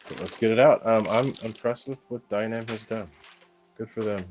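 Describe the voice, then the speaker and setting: Deep hoarse guy rambling on a live stream, lots of ums, muffled audio. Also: moderate pace, over music. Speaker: hobby channel host. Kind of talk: casual live-stream unboxing chat.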